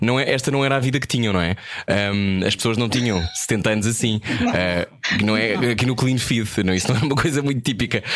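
A man speaks at a medium pitch with ordinary pitch variation and very even loudness. His pace is fairly quick, and noticeable background noise is present. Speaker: radio host. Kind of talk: radio interview.

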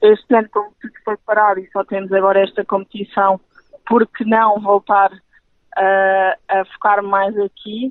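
The voice moves at a fairly slow pace with monotone, flat intonation and big swings in loudness. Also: woman, medium pitch for a woman. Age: 20s. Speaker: professional surfer. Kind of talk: interview.

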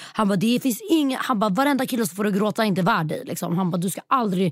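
A woman speaks very fast in a medium pitch. Her intonation is lively. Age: 20s. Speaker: podcast guest. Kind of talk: casual chat.

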